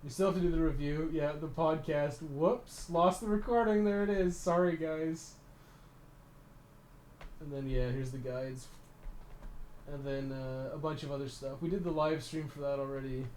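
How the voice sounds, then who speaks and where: A man's voice: on the high side, normal speed, a little mellow, a little hiss or hum, poor audio. A man chatting casually to his viewers as a game streamer, informal and freely swearing. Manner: informal, foul-mouthed. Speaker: video game live streamer. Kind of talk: casual livestream chat with viewers.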